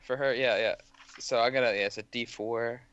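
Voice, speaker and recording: A man's voice: mid-range voice, steady tone, moderate pace, lo-fi sound, background noise. A man playing a tabletop game casually, self-deprecating and stammering on the first words of his sentences. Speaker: player.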